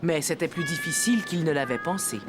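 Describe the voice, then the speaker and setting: A woman playing a gentle storybook narrator, telling a scripted children's cartoon story with music behind her. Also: low voice, very animated, fairly quick. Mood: warm storytelling.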